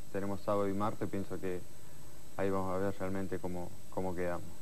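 Light background noise sits under a man speaking at a moderate pace in a fairly low pitch with monotone, flat intonation. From Argentina. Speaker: professional footballer. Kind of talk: post-match interview. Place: studio.

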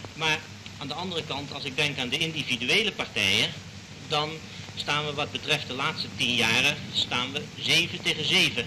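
Noticeable noise fills the background of this clip. Over it, a man speaks at a moderate speed, his pitch varying in an ordinary way. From Netherlands. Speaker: chess grandmaster and world champion. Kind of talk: radio interview answer. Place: studio. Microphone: old recording.

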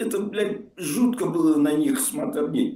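The man's high voice jumps across a very wide range of pitch. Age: old. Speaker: Crimean Tatar interviewee. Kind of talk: casual chat.

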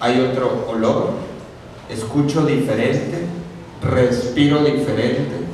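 A man speaks at a very slow pace with ordinary pitch variation. Strong room echo and light background noise surround his voice. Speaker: workshop facilitator. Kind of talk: guided meditation talk to an audience. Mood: calm, guiding. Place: hall.

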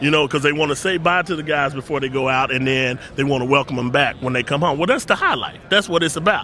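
Over light background noise, a man talks at a very fast pace with hardly any pauses and ordinary pitch variation, in a dry sound with no echo. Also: fairly high pitch for a man. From Fort Worth, Texas. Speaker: actor. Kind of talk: interview answer. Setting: radio broadcast. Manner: casual, enthusiastic. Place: hall. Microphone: studio mic.

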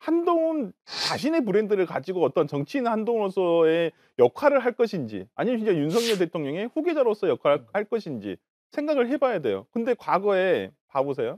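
Very wide pitch swings mark this fairly quick speech, recorded with a dry sound with no echo and light background noise. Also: man, high pitch for a man. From South Korea. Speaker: politician. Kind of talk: political talk show debate. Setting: studio. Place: studio.

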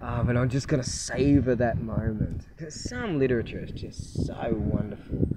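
A man with an Australian accent speaks at a moderate pace with hardly any pauses and fairly even intonation. The sound is dry with no echo, and there is loud background noise. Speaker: YouTuber and English teacher; YouTuber, English teacher. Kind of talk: casual monologue vlog. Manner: rambling with many fillers. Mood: reflective, some grievance. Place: waterside. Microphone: phone near.

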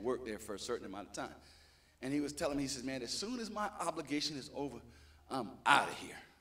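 A man's very fast, lively speech in a bright, sharp tone, with an American accent. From South Carolina. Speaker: preacher. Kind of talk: sermon. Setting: church. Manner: halting. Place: church. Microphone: handheld.

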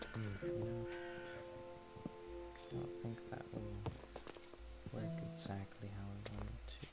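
Fairly slow speech with long, frequent pauses over loud background noise. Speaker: gamer. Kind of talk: relaxed gameplay commentary.

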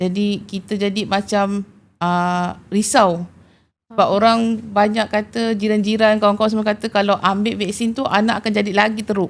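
The woman speaks at medium pitch in a monotone, flat intonation. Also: moderate pace. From Malaysia, Segamat (Johor). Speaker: mother of a patient. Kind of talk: testimony.

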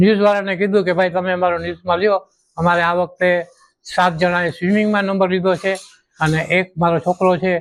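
The delivery is monotone and flat, with very even loudness throughout. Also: man, high pitch for a man. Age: 70s. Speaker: veteran swimmer and swimming coach. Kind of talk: interview.

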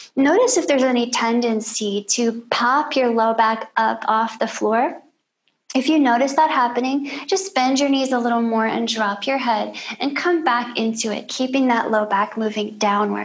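This woman has a high-pitched voice. Her pitch varies in an ordinary way. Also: moderate pace. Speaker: yoga instructor. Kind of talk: guided exercise instruction. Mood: calm, encouraging. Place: home room.

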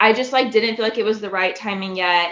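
Amid audible room echo and a quiet background, a woman with an American accent speaks at a fairly quick pace, her tone bright and sharp and her intonation fairly even. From Texas, Dallas area. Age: 20s. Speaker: accountant and brand founder; podcast guest. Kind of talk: casual chat. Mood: warm, reflective storytelling. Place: home room. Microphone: video call.

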